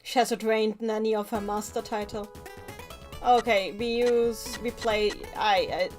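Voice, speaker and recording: Young German woman streamer, high voice, chatty with chat mid-game, faint game music under her. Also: steady tone, slow, darkish tone. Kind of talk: casual live-stream chat while gaming.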